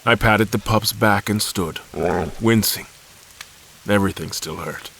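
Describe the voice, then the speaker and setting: A low-voiced, defiant captive space admiral. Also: male voice, a little slow, pushed and bright, a little hiss or hum. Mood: tense, brooding. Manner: intense, accusatory. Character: defiant, weary, suspicious space admiral held prisoner. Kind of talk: audio drama first-person narration and dialogue.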